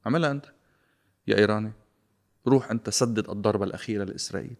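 A man with a Lebanese Arabic accent, talking politics in a casual, sarcastic, animated way and slipping into English phrases. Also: fairly low pitch, very fast, vocal fry. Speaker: guest commentator.

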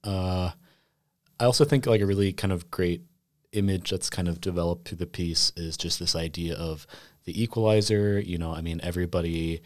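A man's voice: low voice, normal speed. A young man who went to school in Iceland, chatting reflectively on a podcast with many "you know" fillers. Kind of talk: casual conversation.

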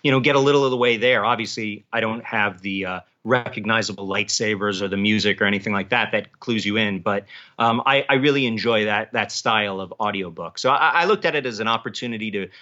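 A man's voice: fairly low pitch, fast talker, sharp tone, dull audio. A man talking casually as an author being interviewed about his work.

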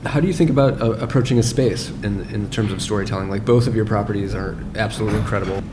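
A friendly man hosting a podcast with a fairly low voice. He asks warm, admiring questions and pauses to find his words. A clear background noise runs behind him. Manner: friendly, admiring, a little hesitant with fillers. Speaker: podcast host. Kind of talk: casual interview.

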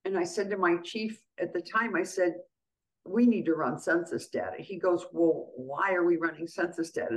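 Animated older woman telling stories. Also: on the low side, low-quality recording. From USA. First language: Greek. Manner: animated storyteller, acts out quoted exchanges. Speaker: guest, county treasurer. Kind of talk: conversational radio interview.

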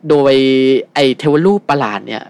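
A man telling a story casually as a guest, relaxed, with many fillers. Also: a little high, moderate pace, gravelly, no room sound.

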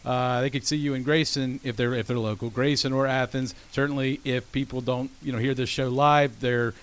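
A man's voice: medium pitch, fairly even intonation, clean tone. A middle-aged man from Georgia, hosting a radio talk show in a chummy, joking manner. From Georgia, USA. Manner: chummy, joking, quick to banter. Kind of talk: casual radio interview. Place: radio studio.

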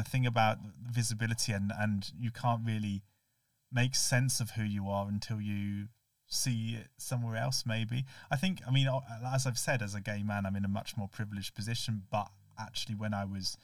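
A man's voice: fairly low pitch, dry recording, clean studio sound, recorded from a distance. Thoughtful man hosting a podcast. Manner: thoughtful, hesitant, rephrases himself. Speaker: podcast host. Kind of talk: casual podcast conversation.

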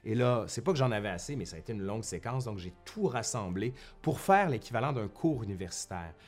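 A man's voice: lowish voice, expressive, quick pace, darkish tone, faint music behind. A man with a Québécois French accent talking casually to his viewers like a professor turned vlogger, chatty and often correcting himself. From Quebec, Canada. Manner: chatty, self-correcting, with colloquial asides. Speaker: history YouTuber and university professor. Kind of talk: casual vlog monologue to viewers. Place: at home in front of a bookshelf.

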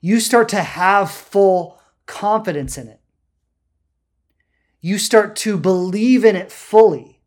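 A spiritual self-help coach giving an unscripted motivational talk, speaking emphatically and deliberately, drawing out key words and checking in with rhetorical questions. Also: mid-range voice, darkish tone.

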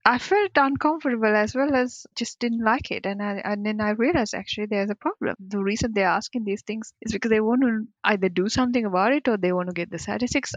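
A woman's voice: medium pitch, no echo, muffled recording. A woman in her forties, a cybersecurity professional, giving candid, reflective interview answers in non-native phrasing and laughing often. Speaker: cybersecurity professional, podcast guest.

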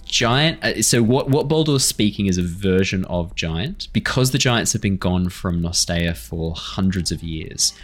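Male game master, low register, halting explanatory delivery for tabletop rules and narration, light music bed. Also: expressive. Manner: halting, explanatory, repeats himself.

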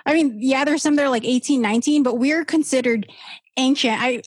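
Young woman podcaster, kinda high voice, dry close sound, slangy and chatty. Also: brisk, dry recording. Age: young adult. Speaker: podcast host. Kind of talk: casual chat.

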